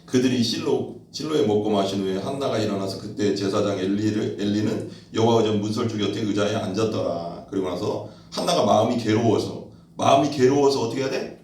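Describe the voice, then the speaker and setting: A man's voice: lowish voice, a little fast, a little mellow. A male pastor preaching a sermon in a conversational way, asking rhetorical questions and acting out quoted voices. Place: church hall. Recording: echoey room from far off.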